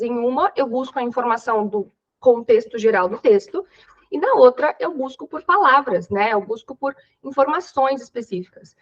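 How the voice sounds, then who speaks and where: A woman's voice: sits high, lo-fi sound. A young Brazilian woman who teaches English in an exam-prep class, walking through reading techniques in a chatty, step-by-step way and checking in with her students often. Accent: Brazilian Portuguese. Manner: chatty, explains step by step, frequent "né?". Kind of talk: online exam-prep lesson.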